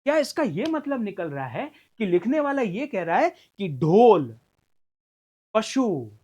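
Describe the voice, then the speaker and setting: A man's voice: extremely high pitch, very animated, moderate pace, a little mellow. A man giving a recorded law lecture in a conversational way, often asking his students rhetorical questions and mixing English legal terms into his talk. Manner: mixes English legal terms into Hindi speech. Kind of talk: recorded exam-prep lecture.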